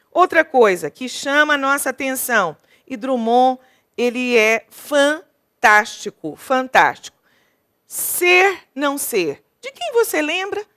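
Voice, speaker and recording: A woman's voice: high voice, fairly bright tone. A woman from Brazil teaching an exam-prep literature class, reading a sonnet aloud and counting its syllables for the students. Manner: slow and deliberate, counts syllables aloud, asks the class questions.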